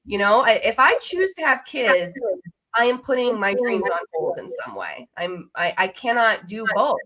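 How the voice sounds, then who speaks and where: A woman's voice: fairly high pitch, animated, normal speed, sharp tone, low-quality recording. A woman, apparently in her thirties, hosting a casual conversational interview in an affirming, enthusiastic, informal way. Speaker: podcast host.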